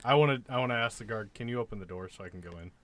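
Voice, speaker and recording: A man's voice: medium pitch, very fast, fairly bright tone. A man playing a tabletop role-playing game, talking bluntly and informally. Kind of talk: casual tabletop role-play.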